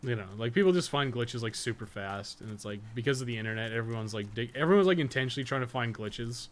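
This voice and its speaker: A man's voice: mid-range voice, fast. A man chatting casually on a live game stream, rambling, thinking aloud and swearing freely.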